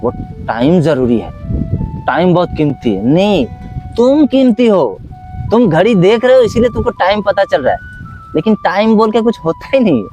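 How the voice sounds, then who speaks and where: A man's voice: sits high, lively intonation, normal speed, dark tone, faint music behind, poor audio. A man who teaches dance, talking philosophically in an outdoor conversation and acting out little scenes in other voices. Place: outdoors under a tree.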